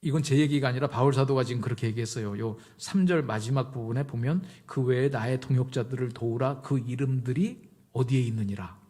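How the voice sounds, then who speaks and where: With a mellow, mid-range voice moving a little fast, a middle-aged pastor preaches in a conversational, storytelling style. He voices both parties in the dialogues he recounts.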